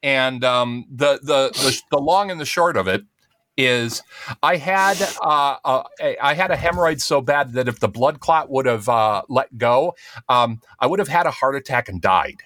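A man's voice: mid-range voice, lively intonation, normal speed, a bit bright, no room sound. A man co-hosting a casual comedy podcast, telling rambling self-mocking stories. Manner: rambling storyteller, self-deprecating. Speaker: podcast co-host.

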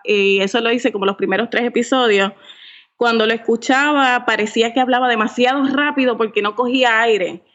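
A woman's voice: on the high side, a bit bright, dull audio. A woman podcaster chatting as an interview guest, laughing often, self-mocking and dropping in English words. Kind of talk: casual interview chat.

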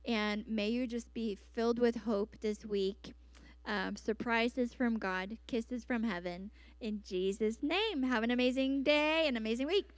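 A woman's voice: a little high, unhurried, no room sound. A woman hosting a church service, giving upbeat, chatty announcements and healing words with playful asides. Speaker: church host making announcements. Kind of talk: post-sermon announcements and words of knowledge.

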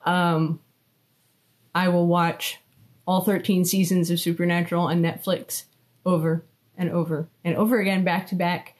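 A woman's voice: fairly low pitch, little pitch movement, normal speed, darkish tone. A woman of thirty-eight talking casually as an interview guest, with a dry, teasing way of speaking. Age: 30s. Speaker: guest, host's wife.

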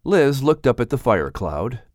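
A man narrating a children's animal story as an audiobook reader, in an expressive scripted storytelling style. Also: mid-range voice, measured pace, no room sound, clean studio sound.

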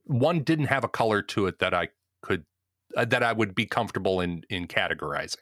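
A man hosting a podcast discussion, speaking in a measured, deliberate way and steering the questions. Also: on the low side, animated, a bit bright, no echo, studio quality. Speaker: podcast host.

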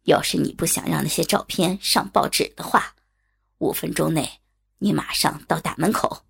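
A woman voicing a sinister, leering male blackmailer in a spoken story, with a husky, gravelly, taunting tone. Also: deep voice, moderate pace, pitched below the performer's own voice, full character voice. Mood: menacing taunt. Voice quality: gravelly, husky whispery growl. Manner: menacing, taunting, mocking.

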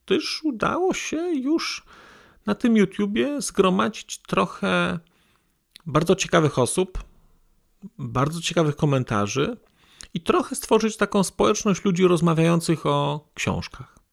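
A man's voice: high-pitched, animated, unhurried, creaky. A man addressing podcast listeners formally and politely as the host.

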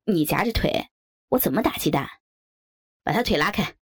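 A woman playing a sly best man who leers and smirks, talking in a lowered, husky voice. He explains things with relish and mock reassurance. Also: lively intonation, moderate pace. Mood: leering. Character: leering male best man, jovial and sly.

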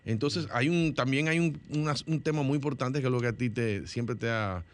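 A man's voice: medium pitch, normal speed. A man from the Dominican Republic with a Dominican Spanish accent, a guest in a studio discussion, who explains at length and often restarts or repeats his words.

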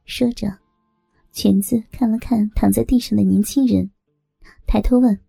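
A woman narrating a novel in the first person as an audiobook, steady and even. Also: medium pitch, unhurried, creaky, slightly rough, no echo, soft background music.

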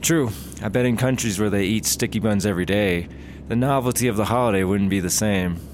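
An actor playing an eager, excitable Mormon man on a plane, in a comedy audio drama. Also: a little fast, a little hiss or hum, lightly acted. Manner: excitable, pitch jumps high when excited.

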